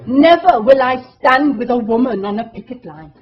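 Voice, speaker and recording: A woman voicing a stubborn, proud young male miner in a put-on Welsh accent, declaiming loudly. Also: sits high, lively intonation, moderate pace, highs cut off, voice pushed up. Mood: defiant.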